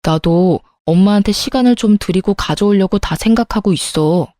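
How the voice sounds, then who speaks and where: A woman's voice: medium pitch, moderate pace, mellow, no echo, studio quality, lightly acted. A woman voicing a defensive young husband. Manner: defensive, indignant.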